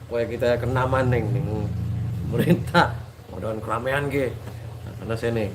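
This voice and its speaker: A preacher with a stuffy nose rambles casually to his followers on a live stream, repeating himself, mixing in local words and chanting sholawat. His mid-range voice is fairly quick, against a noisy background.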